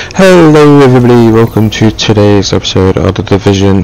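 Speaking at a moderate pace, a man is heard. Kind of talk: casual gameplay commentary. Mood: a bit awkward, light-hearted.

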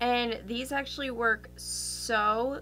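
A woman's voice over faint background music. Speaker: beauty vlogger. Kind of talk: casual vlog chat. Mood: cheerful, excited. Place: home room. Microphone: camera far.

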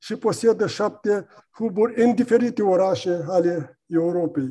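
Over a quiet background, a man talks at a very slow pace in a high pitch with ordinary pitch variation. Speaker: academy president, moderator. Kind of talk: formal moderating. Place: hall. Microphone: podium.

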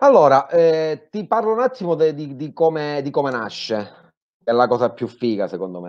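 Over a quiet background, a man with a fairly high pitch talks at a moderate pace, with very wide pitch swings and big swings in loudness. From Calabria, southern Italy (Cosenza); Calabria. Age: 40s. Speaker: punk drummer and festival organizer; guest. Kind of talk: casual interview. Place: home room. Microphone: video call.

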